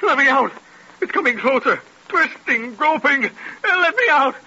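Panicked male prisoner, very high shrieking, piercing tone, desperate, thin old radio recording. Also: big pitch swings, moderate pace, sharp tone, lo-fi sound, exaggerated voice. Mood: terrified, frantic. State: frantic, screaming. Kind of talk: 1930s radio acting.

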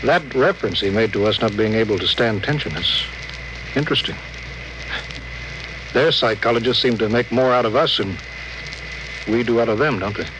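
A man's voice: medium pitch, moderate pace, pauses often, natural voice. Man doing a tough tired ship captain barking orders, old radio play, lots of hiss. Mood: grim. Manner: clipped, commanding. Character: stern, weary male starship captain. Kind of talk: 1950s radio drama acting. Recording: hissy old radio broadcast.

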